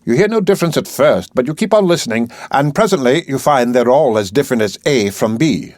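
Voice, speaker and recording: A man's voice: mid-range voice, lively intonation, a little fast, darkish tone, no echo, studio quality, pitched above the performer's own voice, close to an everyday voice. A man playing an impetuous, brusque male professor of about forty who talks energetically. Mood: eager.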